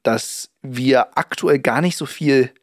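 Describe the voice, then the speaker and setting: Young male co-host, chatty and rambling, mid pitch, dry booth sound. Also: slow pace, dry recording. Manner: chatty, rambling with many fillers and restarts. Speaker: podcast co-host. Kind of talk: casual chat.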